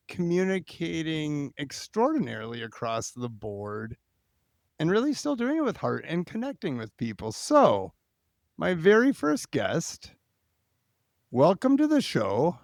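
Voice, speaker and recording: A man's voice: a little high, very animated, unhurried, vocal fry, no echo, clean studio sound. A man hosting a podcast interview in a casual, chatty way, thinking aloud as he goes. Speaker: podcast host.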